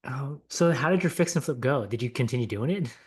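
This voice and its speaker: A man hosting a podcast, asking relaxed questions with short encouraging replies. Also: mid-range voice, fairly quick, slightly rough. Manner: relaxed, encouraging, brief backchannels. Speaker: podcast host. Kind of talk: casual interview.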